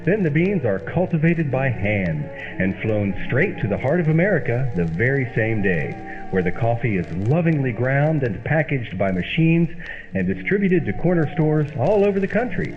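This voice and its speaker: A man acting as a wisecracking straight man and folksy pitchman in an old-time radio comedy, with an emphatic, theatrical delivery. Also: sing-song, moderate pace, natural voice. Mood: hearty salesman. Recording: dull lo-fi old-radio sound, music behind.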